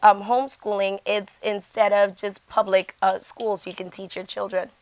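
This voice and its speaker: A woman co-hosting a Christian TV talk show, slightly hoarse, chatty and giggly. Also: medium pitch, level tone, moderate pace, no echo. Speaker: TV show co-host. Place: TV studio.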